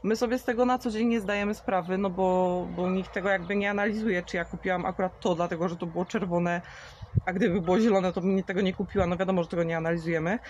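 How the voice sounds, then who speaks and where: A woman's voice: on the low side, steady tone, fast talker, darkish tone, lo-fi sound. Woman in her 30s chatting on a phone livestream outside, explains stuff w lots of ums, bit of noise behind. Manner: chatty, explains with cooking comparisons, many fillers. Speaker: marketing trainer for beauty salons. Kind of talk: live stream answering viewer questions. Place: outdoors in a garden.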